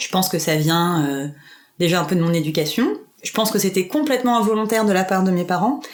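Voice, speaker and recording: Pitch shifts in a normal way while the talking runs fairly quickly. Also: woman. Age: 20s. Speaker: podcast guest sharing personal story. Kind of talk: intimate interview. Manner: hesitant, many filler words.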